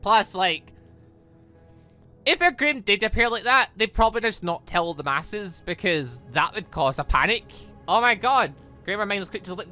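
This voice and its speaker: A man plays host on a gaming channel, reading a visual novel and commenting as he goes. His voice sits slightly high and swings widely in pitch, with a bright, forceful edge. He stumbles and corrects himself as he reads. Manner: stumbles over lines, self-correcting, exclaiming. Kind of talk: live read-through of a visual novel with commentary.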